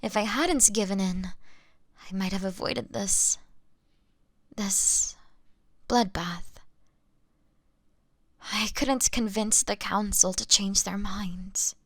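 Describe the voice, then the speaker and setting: Woman acting a slow-speaking, courteous young vampire. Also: medium pitch, steady tone, no echo, clean studio sound. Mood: regretful. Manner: formal, polite, softly deliberate. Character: young courteous female vampire, apologetic, refined and gentle. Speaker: audio drama performer. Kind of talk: intimate scripted audio roleplay acting.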